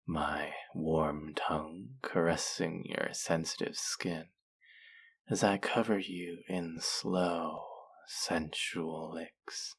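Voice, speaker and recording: A man playing a smug, dominant faerie trickster in an intimate roleplay audio drama, teasing and mock-scolding in a sultry, drawn-out way. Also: low-pitched, fairly even intonation, gravelly, husky, heavily acted.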